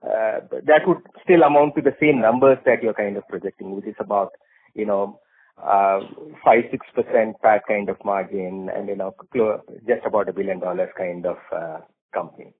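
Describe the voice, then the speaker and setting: A man with a husky voice asking analyst questions on an earnings call, phrasing them tentatively. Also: on the low side, steady tone, moderate pace. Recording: thin narrow phone line.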